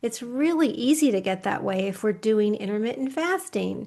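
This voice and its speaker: Against a quiet background, a woman with a normal speaking voice talks at a moderate pace and a fairly high pitch. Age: 60s. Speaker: nutritionist. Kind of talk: podcast interview.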